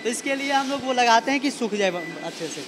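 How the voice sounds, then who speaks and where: High-pitched young man explaining a factory. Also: animated, fairly quick, background noise. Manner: plain step-by-step explaining with many restarts and fillers. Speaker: factory guide at a printing press. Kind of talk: explaining a production process on a walkthrough. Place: large indoor factory floor with running machines. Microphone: handheld mic held by the interviewer.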